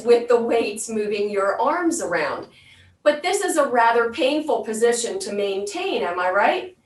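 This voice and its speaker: Woman, fitness instructor, higher-pitched voice, step-by-step exercise cues, counting, distant microphone, roomy sound. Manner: clear step-by-step cueing.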